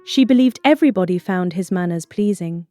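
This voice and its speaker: Woman playing a guarded young regency lady, soft-toned mellow voice, formal and polite, faint music. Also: on the low side, expressive, fairly quick, lightly acted. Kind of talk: period novel audiobook acting.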